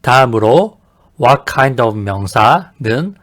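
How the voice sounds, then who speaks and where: A man giving a scripted beginner English lesson in a measured, polite, explanatory manner. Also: mid-range voice, lively intonation. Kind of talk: scripted instructional narration.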